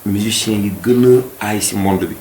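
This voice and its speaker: A man's voice: on the low side, steady tone, moderate pace, warm tone. A man, a singer, talks earnestly as an interview guest, switching between French and Wolof. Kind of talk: casual interview chat. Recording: echoey room with faint noise.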